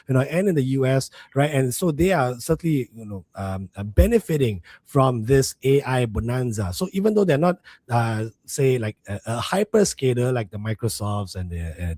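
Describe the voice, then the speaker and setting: A man's voice: medium pitch, warm tone, dry recording. A man with a mixed international English accent hosting a live trading webinar, talking casually to viewers with many fillers. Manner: conversational, many fillers, addresses viewers as folks. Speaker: livestream host.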